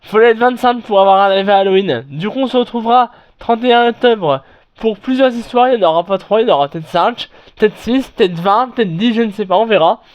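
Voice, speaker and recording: A man reading internet horror stories aloud and then commenting on them, in a halting way with frequent restarts and self-corrections. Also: high voice, clear, resonant tone. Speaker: online horror story narrator. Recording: dull lo-fi recording.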